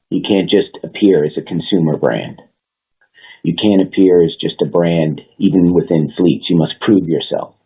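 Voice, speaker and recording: Male executive, very low husky register, measured businesslike earnings-call delivery, narrow phone-line audio. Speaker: company executive. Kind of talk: prepared earnings call remarks. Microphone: conference call line.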